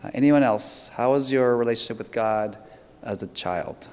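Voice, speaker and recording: A man's voice: mid-range voice, normal speed, a little mellow, smooth. Conversational man presenting in a hall. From Indonesia. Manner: conversational, frequent fillers and restarts. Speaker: seminar presenter. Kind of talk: conference seminar talk with audience questions.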